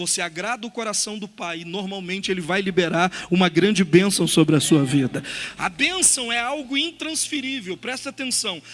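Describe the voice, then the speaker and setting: Over noticeable background noise, a man with a high pitch speaks at a moderate pace in an animated tone with lively intonation. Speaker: pastor. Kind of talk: sermon. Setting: church.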